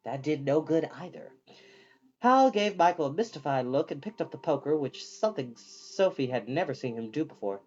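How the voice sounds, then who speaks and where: Storybook narrator, expressive, very varied pitch, lo-fi muffled sound. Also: moderate pace, breathy edge. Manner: animated, acts out dialogue. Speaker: storyteller reading a children's novel aloud.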